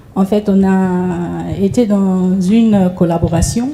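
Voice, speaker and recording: The speaker's pitch varies in an ordinary way over noticeable background noise. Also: woman. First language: French. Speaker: journalist. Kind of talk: audience comment. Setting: conference room with audience.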